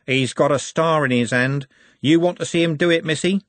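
A man's voice: fairly high pitch, normal speed, no echo, pitched above the performer's own voice, natural voice. A man voicing a cocky, slender male street conjurer with a teasing, theatrical manner.

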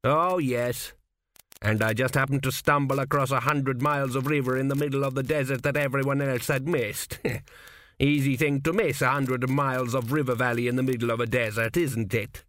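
A man voicing a cynical, crude old ancestor ghost, a former swindler, with a slow, gruff drawl in an audiobook. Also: medium pitch, fairly even intonation, a bit bright, no room sound, voice pushed up, lightly acted. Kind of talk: audiobook character voice.

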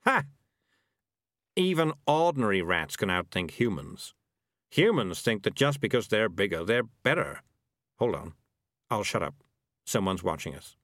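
Man acting storybook cat, sly, scheming, smooth-talking, grumbling, lively intonation, dry close sound. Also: fairly low pitch, measured pace, long pauses, dry recording. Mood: boastful.

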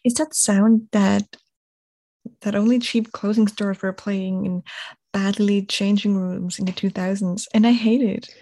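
A woman co-hosting a music podcast in casual chat, playful and quick to laugh, prone to dramatic exaggeration. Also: mid-range voice, fairly even intonation, mellow. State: overheated. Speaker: podcast co-host.

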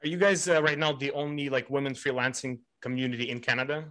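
A man's voice: medium pitch, steady tone, fast, a bit bright. A man interviewing as a podcast host in an informal, encouraging, conversational way, often repeating himself.

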